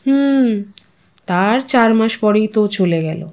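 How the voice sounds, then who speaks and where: A woman's voice: mid-range voice, expressive, slow pace, a little mellow. A woman narrator plays an elderly widow in an audio story. She is resigned and wistful, confiding her life to an old friend in a musing, weary way. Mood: sorrowful. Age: older.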